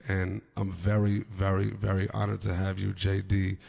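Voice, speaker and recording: A man's voice: low voice, monotone, normal speed, vocal fry, darkish tone, breathy edge. A man hosting a casual podcast interview, earnest and swearing freely, with hype-man energy. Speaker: podcast host.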